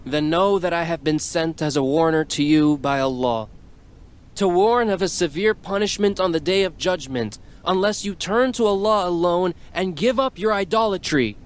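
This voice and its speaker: A man's voice: sits high, moderate pace, clear, resonant tone, voice pushed up, lightly acted. A man voicing a prophet who calls out urgent warnings to a gathered crowd in a raised, proclaiming voice. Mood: solemn urgent.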